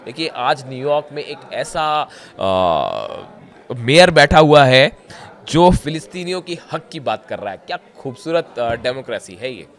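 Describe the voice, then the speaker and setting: A hoarse man giving conversational news commentary straight to his viewers, pausing often and pointing things out as he explains. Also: medium pitch, sing-song. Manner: conversational, often says "dekhiye", frequent filler pauses.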